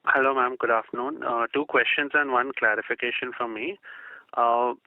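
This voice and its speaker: A man's voice: mid-range voice, steady tone, moderate pace, heavy background noise. A man, an analyst beginning his questions on an earnings call. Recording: dry, tinny phone line.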